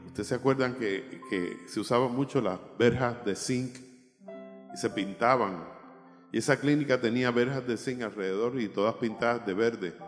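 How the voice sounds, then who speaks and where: A man preaching a personal testimony to his congregation, his voice swelling and sinking with emotion. His voice sits at an ordinary pitch for a man. It carries a long reverb from the church hall, and a soft instrument plays underneath. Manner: emotional storytelling, voice rising and dropping. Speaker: pastor. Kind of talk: sermon testimony.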